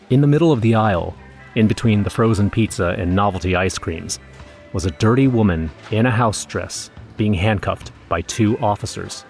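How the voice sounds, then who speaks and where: Man acting an uneasy young narrator, lowish voice, scripted horror storytelling, music underneath. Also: a little mellow, close to an everyday voice. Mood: dread. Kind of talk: first-person scripted horror narration with acted dialogue.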